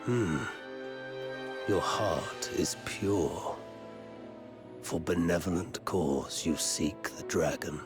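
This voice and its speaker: Super deep calm menacing fire demon guy, slow and solemn, game cutscene with music behind. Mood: calmly menacing. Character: calm, menacing archfiend of fire, proud male villain. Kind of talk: video game cutscene voice acting.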